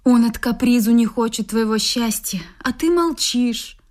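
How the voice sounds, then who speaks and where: A woman's voice: fairly high pitch, unhurried, darkish tone, close to an everyday voice. An actress in a radio play voicing a smug, materialistic young married woman, condescending and coaxing. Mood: coaxing, scheming. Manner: condescending, coaxing, self-satisfied. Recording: music behind the voice.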